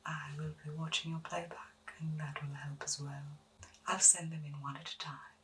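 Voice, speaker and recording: A woman playing a gentle, eccentric doctor in a whispered ASMR medical roleplay, soothing, measured and formally polite. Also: low-pitched, flat delivery, recorded from a distance, noisy background, close to an everyday voice. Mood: gentle, businesslike. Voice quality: breathy whisper. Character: gentle, eccentric female doctor at strange monster clinic.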